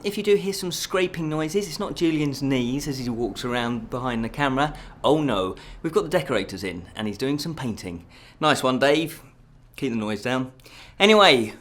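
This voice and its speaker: A man's voice: mid-range voice, fairly bright tone. A man presenting scripted news items as a show host, in a casual, chatty way with jokey asides.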